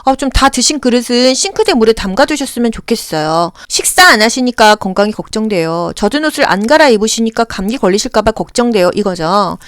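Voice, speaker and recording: A woman lectures on exam material in a lively, higher voice that rises and falls widely. Her tone is smooth and clear, and the sound is dry and close. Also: no echo. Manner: animated, acts out short dialogues and sound effects. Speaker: exam-prep lecturer for care workers. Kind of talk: audio lecture with acted examples.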